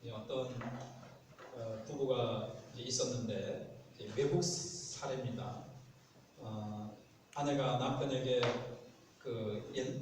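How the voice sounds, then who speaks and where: Pastor preaching in an echoey church. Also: male voice, mid-range voice, a little mellow, slight background noise. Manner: folksy storytelling, acts out spouses' voices. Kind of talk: sermon. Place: church sanctuary. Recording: echoey church sanctuary, distant mic.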